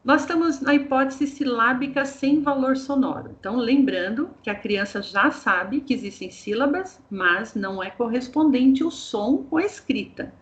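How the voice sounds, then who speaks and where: Brazilian woman explaining patiently, slightly high. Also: moderate pace, hardly any pauses, highs cut off. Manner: patient, explanatory, addresses the group directly. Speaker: teacher trainer. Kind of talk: online teacher training talk.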